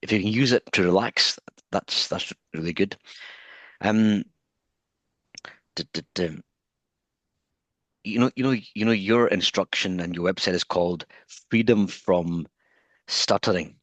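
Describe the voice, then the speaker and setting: Male interviewer, deep voice, frequent stutter, thoughtful delivery. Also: a little slow, long pauses, fairly bright tone, dry recording. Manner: stutters, with repeated words and blocked sounds; thoughtful, searching for words. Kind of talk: conversational interview.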